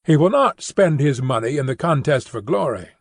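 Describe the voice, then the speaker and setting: A man reading a philosophical dialogue as an audiobook, in a measured, formal and expressive way. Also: a little high, dry recording, studio quality. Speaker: audiobook reader. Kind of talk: scripted narration of a philosophical dialogue.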